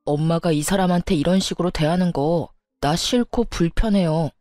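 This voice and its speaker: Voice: mid-range voice, normal speed, a little mellow, dry recording, studio quality, faint music behind, natural voice. A voice actor playing a young married man who stands up for his wife against his mother, in a dramatized story reading. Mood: protesting. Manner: firm, exasperated.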